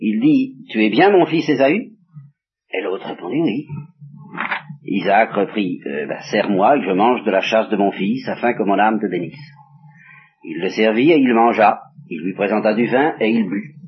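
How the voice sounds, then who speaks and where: With a fairly low, slightly rough voice, a Bible teacher reads a scripture story aloud, altering his voice a little for quoted speech and stopping to explain things to his audience. The old 1960s tape sounds dull and lo-fi.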